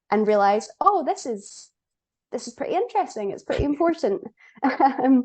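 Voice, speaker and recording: Over a quiet background, a woman speaks at a high pitch and moderate pace. She shows very wide pitch swings and big swings in loudness. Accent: Scottish. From Scotland, near Glasgow. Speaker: conference interpreter and PhD researcher. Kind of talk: interview conversation.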